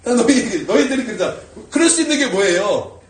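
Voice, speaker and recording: A male pastor preaching a sermon, swinging from shouted prayers down to quiet, low asides. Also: expressive, fast, echoey room, distant mic. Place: church sanctuary.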